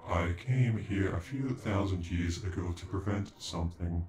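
A man's voice: low voice, unhurried, background noise. A man playing an ancient alien android in a sci-fi ASMR roleplay, speaking in formal, stilted, condescending phrases with glitchy robotic stutters. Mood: grave, explanatory. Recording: echoing, with music behind.

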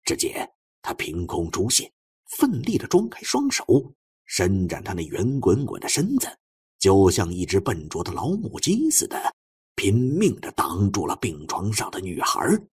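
Male audiobook narrator for suspense fiction: low, very raspy voice, theatrical, swinging from hushed to forceful. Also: huge pitch swings, moderate pace.

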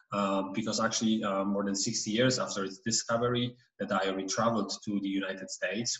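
A man's voice: on the low side, fairly bright tone. A man in his thirties with a Polish accent gives prepared introductory remarks as a museum director, with some hesitations, over a video call. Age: 30s. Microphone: computer mic on video call. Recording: roomy, slightly distant, dull webcam sound.

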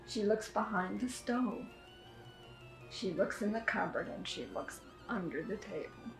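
An elderly woman reading aloud to young children as a preschool teacher, with simple, deliberate phrasing. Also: medium pitch, expressive. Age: 70s or older. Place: furnished sitting room indoors. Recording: echoey room, music behind.

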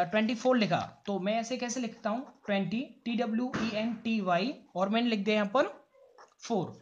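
A man's voice: high-pitched, muffled recording. Chatty male English teacher explaining step by step. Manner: repeats "guys" often, restarts and corrects himself. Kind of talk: casual explanatory lesson.

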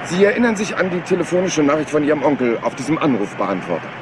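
An actor playing a rumpled, apologetic yet stubbornly probing police inspector in a German crime drama, hesitant and folksy. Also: male voice, fairly high pitch, animated, quick pace, background noise, natural voice. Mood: insistent, puzzled. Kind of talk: German crime drama dub, conversational acting.

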